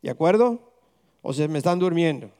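A man's voice: fairly high pitch, animated, brisk, mellow, smooth. A man preaching a conversational sermon as pastor, firing rhetorical questions at the congregation and slipping English words into his talk.

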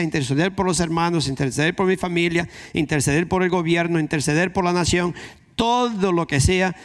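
A man with a Dominican accent preaching a conversational sermon, repeating key phrases for emphasis. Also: a little high. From Dominican Republic.

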